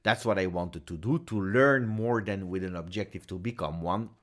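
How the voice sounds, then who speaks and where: A man's voice: deep voice, moderate pace. A man whose first language is French hosts a casual football recap, chatting passionately and with many fillers. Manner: animated, passionate, frequent fillers. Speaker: football video host.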